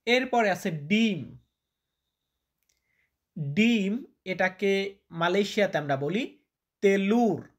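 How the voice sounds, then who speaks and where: A man's voice: high-pitched, lively intonation, takes it slowly, pauses often. A man teaching vocabulary, repeating each word and quizzing the listener. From Bangladesh. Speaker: language teacher. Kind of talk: vocabulary lesson.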